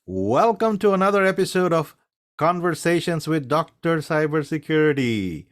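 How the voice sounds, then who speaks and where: A man's voice: fairly high pitch, very animated, normal speed. A man hosting an interview show over a video call, welcoming guests with enthusiastic introductions. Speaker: host.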